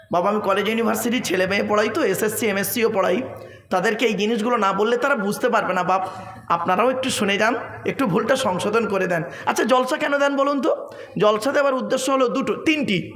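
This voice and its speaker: At a large religious gathering, a man with a high, fairly bright voice preaches a sermon through a stage microphone. He quizzes the crowd and laughs often in a playful, teasing way, with echoey open-air PA sound.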